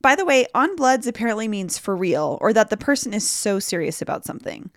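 A woman host narrating a scripted news story in a clear, measured way. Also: medium pitch, sing-song, no echo, studio quality. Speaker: podcast host. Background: music.

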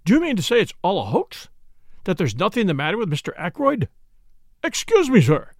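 Storybook butler, played by a male reader: high, lilting, formal, deferential, easily scandalized, dry close recording. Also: wildly swooping pitch, brisk, no echo, heavily acted. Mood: flustered, deferential. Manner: formal, servile, punctuated with "sir". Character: impassive male butler, deferential, shocked and proper. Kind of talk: audiobook character dialogue.

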